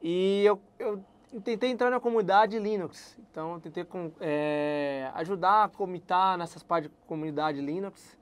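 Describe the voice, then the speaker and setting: A young man from Salvador with a Bahian accent, a guest telling his career story in relaxed casual chat and laughing at himself. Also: sits high, moderate pace, clean tone. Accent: Bahian Brazilian Portuguese. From Salvador, Brazil. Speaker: guest software engineer.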